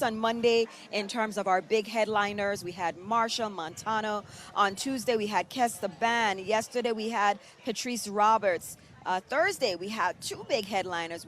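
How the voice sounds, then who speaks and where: A woman's voice: mid-range voice, a little hiss or hum. A woman broadcast co-host gives live parade commentary. She chats in an upbeat, celebratory manner, effusive about the event, with a mid-range voice.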